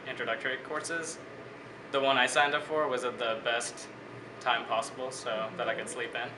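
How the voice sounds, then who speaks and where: Articulate young man in an echoey room. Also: mid-range voice. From Bangladesh. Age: 20s. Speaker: interviewee, biology student. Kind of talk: casual interview answers. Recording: echoey room with steady air-conditioning hum.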